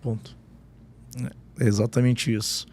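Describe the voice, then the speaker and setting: A man's voice: mid-range voice, steady tone, a little slow, a little mellow. A man who was born in Jordan and grew up in southern Brazil, hosting a podcast interview as a law professor and chatting casually. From born in Jordan, raised in Rio Grande do Sul.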